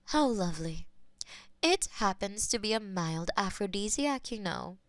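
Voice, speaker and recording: Woman as a possessive demon mistress, teasing, slow purring delivery, soft whispers, dry close sound. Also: medium pitch, lively intonation, dry recording. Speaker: voice actor in an audio roleplay. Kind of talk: audio roleplay acting.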